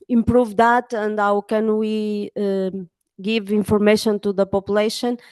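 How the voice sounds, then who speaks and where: A Portuguese-accented woman speaking English as a second language, a journalist giving a halting conference talk full of fillers. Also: mid-range voice, a little mellow, smooth, no echo. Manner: hesitant, many pauses and fillers. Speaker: journalist and editor.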